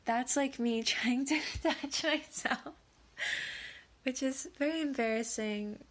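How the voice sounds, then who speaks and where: Woman, high-ish, slow, sniffly; nervous halting ramble with stammers, giggles and whispered asides. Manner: drops into soft whispers at times; giggles often. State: sniffly from allergies. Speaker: audio creator. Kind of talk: rambling casual monologue.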